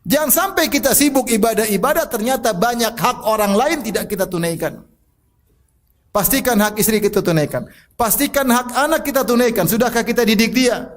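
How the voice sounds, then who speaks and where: A man's voice: very high voice, fairly quick. A middle-aged man from Indonesia preaching a sermon, asking his listeners rhetorical questions and weaving recited Arabic scripture into his talk.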